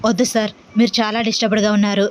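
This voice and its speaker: A woman's voice: mid-range voice, level tone, racing, natural voice. A woman voicing a worried, caring young woman who pleads and keeps saying "sir" in a storybook tale. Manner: pleading, repeats "sir" often.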